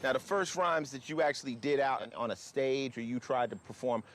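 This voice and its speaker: A man's voice: mid-range voice, fairly even intonation, brisk, slight background noise. A man interviewing rappers with short, curious questions. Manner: curious, brief prompts. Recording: loud music behind.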